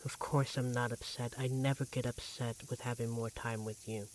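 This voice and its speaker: A man playing an affectionate, devoted vampire partner in a roleplay audio drama, speaking in a tender, gently teasing, conversational way. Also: medium pitch, little pitch movement, moderate pace, close to an everyday voice, rough recording. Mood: tender, reassuring. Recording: clearly audible background noise, sizzling kitchen effects.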